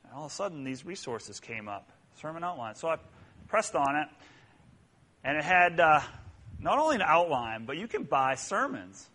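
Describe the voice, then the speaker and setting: A middle-aged man, a state police officer, giving a personal sermon in a halting, self-deprecating way with many fillers. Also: on the high side, big pitch swings, pushed and bright, slight background noise.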